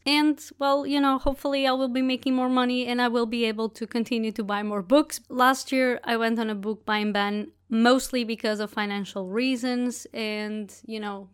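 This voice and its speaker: A woman's voice: on the high side, smooth. A woman hosting her own podcast, reviewing the books she read in a casual, rambling way and often correcting herself mid-sentence. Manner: chatty, rambling, self-correcting. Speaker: podcast host. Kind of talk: casual monologue book review.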